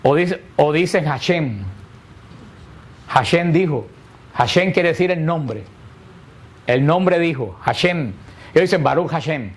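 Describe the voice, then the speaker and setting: A man's voice: on the high side, slow, pauses often. A man teaching a catechesis lesson to a group, explaining step by step and posing rhetorical questions that he answers himself.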